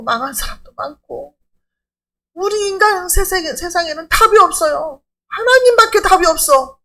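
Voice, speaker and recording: A woman's voice: sits high, creaky, pushed and bright. A middle-aged woman pastor preaching a sermon in an emphatic, conversational way, asking rhetorical questions.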